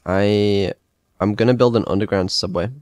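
A man's voice: on the low side, moderate pace, darkish tone, dry recording. A man streaming a game and chatting casually, with understated, dry reactions. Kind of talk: casual chat while gaming.

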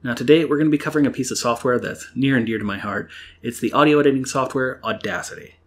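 A man's voice: mid-range voice, quick pace. A young man hosting a library tutorial, explaining audio editing step by step in a friendly way, recorded at home. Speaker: library program host. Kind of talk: software tutorial. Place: home kitchen-living room, indoors.

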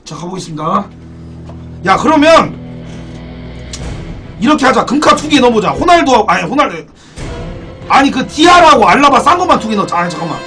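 A young man live-streaming a game, excitable and profane, thanking donors as he plays. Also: very high-pitched, fairly quick, pauses often. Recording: distant mic, background music.

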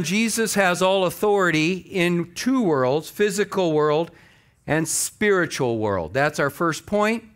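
An older American man preaches as a pastor. His voice sits a little high and swings widely in pitch. He talks conversationally and leans hard on key words. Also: a bit bright. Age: older, about 60. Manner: conversational, emphatic, acts out imagined objections. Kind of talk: sermon with scripture reading. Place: church stage at a lectern.

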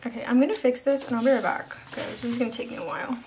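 A young woman, a planner vlogger, chatting casually as she narrates her week, now and then dropping into soft whispers. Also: on the high side, steady tone, very fast. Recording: background noise.

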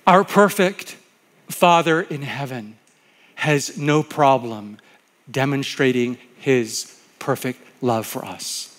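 A middle-aged male pastor preaching a sermon, telling a story with voiced quotes and slowing down to stress key lines. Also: mid-range voice, a bit bright.

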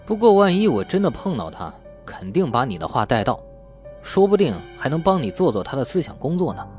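A man plays a cheeky young suspect in an audiobook, defiant and flippant. His pitch moves freely, with faint music underneath. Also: big pitch swings, a little fast, a little mellow. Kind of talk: audiobook character acting.

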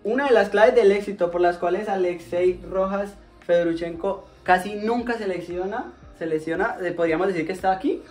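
A man's voice: high voice, fairly quick, hardly any pauses, darkish tone. A young man, hosting a chatty, joking house tour and interview inside a family home. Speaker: host. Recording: roomy indoor sound from a distance, light music behind.

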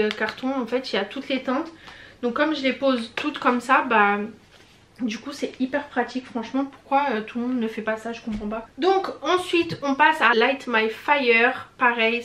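A woman's voice: on the high side, a bit bright, a little hiss or hum. A young woman chatting casually to camera as a beauty vlogger, gushing about products with lots of hesitations and slang. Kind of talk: casual product review chat.

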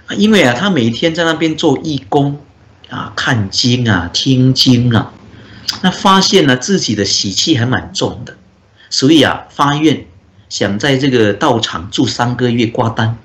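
A man, a Buddhist monk, giving a dharma talk as a story, with drawn-out filler particles and frequent chuckles. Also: medium pitch, lively intonation, a bit bright.

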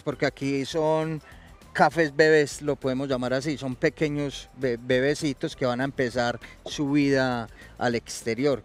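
A middle-aged man, a coffee expert guest, explaining in a folksy storytelling way outdoors in a garden. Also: a little high. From Colombia. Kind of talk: explanatory interview talk.

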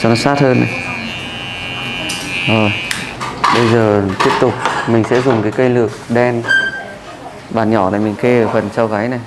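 Calm barber teaching over buzzing clippers. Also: male voice, mid-range voice, moderate pace, long pauses, very noisy. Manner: calm, instructive, repeats each step. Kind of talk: casual step-by-step demonstration. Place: busy barbershop indoors. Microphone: lapel mic. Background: electric clippers and shop chatter.

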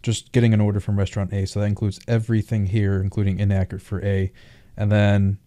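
A male tutor talks through a worked problem in a low, mellow voice. His intonation stays very flat. He goes haltingly, thinking aloud in an informal, explanatory way. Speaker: math tutor.

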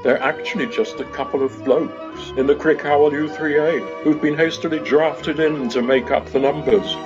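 A man's voice: fairly high pitch, steady tone, moderate pace, over music. A man narrating a comic storybook pantomime from a script in a wry storytelling manner. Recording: slightly dull home video-call recording.

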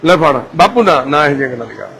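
A man's voice: fairly high pitch, very animated, rapid-fire, creaky, fairly bright tone, poor audio. A man working as a volunteer, coaxing and placating a distressed woman with repeated soothing phrases. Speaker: volunteer social worker. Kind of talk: coaxing, calming talk.

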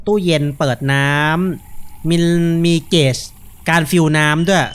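A young man gives casual, joking horror game commentary, relaxed and unafraid, speaking into a headset mic. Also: a little high, slow. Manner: laid-back, joking, unafraid. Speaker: gaming video host.

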